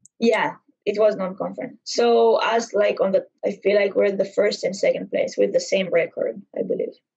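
A woman speaks at a moderate pace in an Israeli accent. The background stays quiet. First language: Hebrew. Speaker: college basketball player; guest. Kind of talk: casual interview. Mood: relaxed, fond recollection. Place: home room. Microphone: video call.

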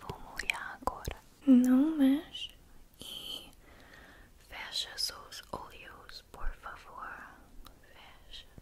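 Over light background noise, a voice moves at a very slow pace with long, frequent pauses and big swings in loudness. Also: woman. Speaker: roleplay host. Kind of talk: roleplay ASMR-style talk to viewer. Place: home room. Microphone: earbuds.

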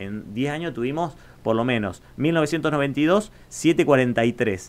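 The man's fairly high voice carries lively intonation. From Argentina. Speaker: local history storyteller and teacher; local history storyteller, teacher. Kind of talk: radio guest segment, historical narration. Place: studio. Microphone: studio mic.

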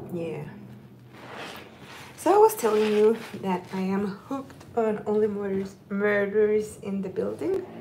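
A soft-spoken woman talks at a fairly slow pace with long, frequent pauses. Her pitch varies in an ordinary way over light background noise. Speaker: ASMR content creator. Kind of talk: ASMR livestream chat, casual talk to camera. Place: kitchen. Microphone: phone near.

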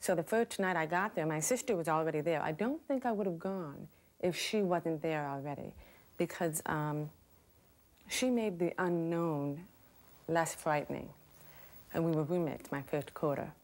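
The speech moves at a moderate pace with ordinary pitch variation. Long pauses come often. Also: woman, fairly low pitch for a woman. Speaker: interviewee. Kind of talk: interview answer. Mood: reflective storytelling. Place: studio.

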